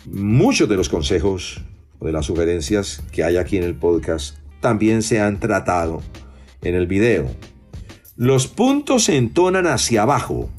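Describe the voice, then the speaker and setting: A man's voice: on the low side, a little mellow. A man teaching voice-over reading in a podcast lesson, demonstrating intonation with his own voice.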